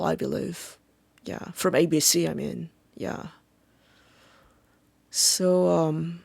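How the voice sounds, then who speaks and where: A vlogger from South Korea, a native Korean speaker with a Korean accent, gives a halting, reflective monologue, often pausing to search for words. The voice is medium-pitched and creaky, with no room sound.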